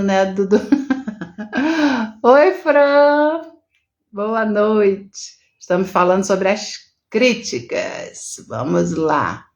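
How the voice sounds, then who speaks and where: A woman with a Brazilian Portuguese accent, an integrative therapist giving advice on a live stream and answering viewers by name. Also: medium pitch. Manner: chatty, greets and answers viewers by name, ends phrases with "né?".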